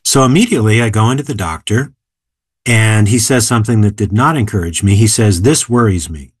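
A man in his seventies, an author and philosopher, explaining ideas in a measured, emphatic way during an interview. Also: on the low side, slightly rough, dry recording. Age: 70s. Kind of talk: interview conversation.

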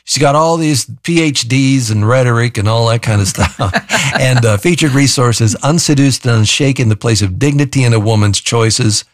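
A man hosts a radio talk show with upbeat enthusiasm, teasing his guest and pushing a gift offer. His voice is dry and close, with no echo. His pitch is in an ordinary middle range. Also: normal speed. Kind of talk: upbeat radio hosting and fundraising appeal. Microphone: studio microphone.

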